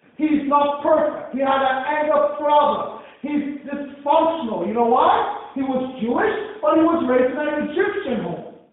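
Over noticeable background noise, a man with an extremely high pitch and an animated tone talks at a fairly slow pace in lively intonation, with hardly any pauses. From Nigeria. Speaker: pastor. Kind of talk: sermon, preacher in full flow with call-and-response and code-switching humor. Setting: church with congregation. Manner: animated, emphatic, conversational and exhortative.

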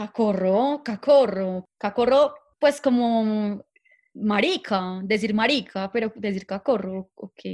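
At a very slow pace, a woman talks at a fairly high pitch with ordinary pitch variation and big swings in loudness, the sound dry and close with no echo. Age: 20s. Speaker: podcast host. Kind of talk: casual chat.

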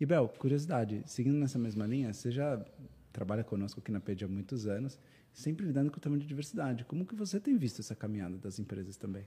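The man's tone is dark and mellow, and somewhat breathy. He talks at a very fast pace with lively intonation. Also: medium pitch for a man. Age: 30s. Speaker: podcast host, recruitment executive. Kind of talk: podcast interview.

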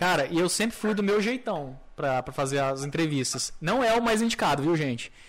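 A moderate pace with hardly any pauses. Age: 30s. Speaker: podcast co-host, freelance programmer. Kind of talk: casual chat.

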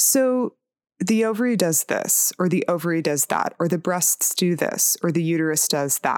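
A woman with a normal speaking voice and a fairly low pitch talks at a moderate pace with lively intonation and very even loudness, in a dry, close sound with no echo. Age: 40s. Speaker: podcast host. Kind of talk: solo monologue.

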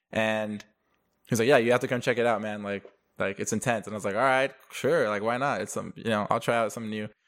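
On a very clean recording with a silent background, a man with an American accent talks very fast with fairly even intonation. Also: medium pitch for a man. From Texas, Dallas area. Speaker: ultimate frisbee player and teacher. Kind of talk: casual interview.

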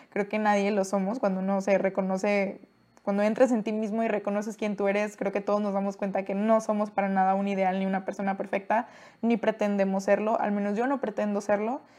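Her dark, mellow tone moves at a fairly quick pace, though the woman's intonation stays monotone and flat. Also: medium pitch for a woman. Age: 20s. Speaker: graphic designer. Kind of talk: casual monologue.

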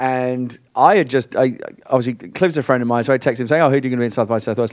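On a very clean recording with a silent background, a man with an English accent speaks at a very fast pace, his medium pitch showing ordinary variation. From England. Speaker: tech journalist. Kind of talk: casual chat.

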